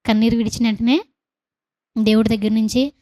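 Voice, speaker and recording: A woman's voice: a little high, level tone, brisk, warm tone, no echo. A woman with a Telugu accent preaching a sermon, telling a Bible story with rhetorical questions and acted-out voices. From South India.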